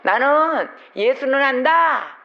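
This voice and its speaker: A male preacher voicing a possessed man who taunts an exorcist in a slow, mocking way. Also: extremely high pitch, expressive, lo-fi sound, pitched above the performer's own voice, heavily acted. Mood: taunting.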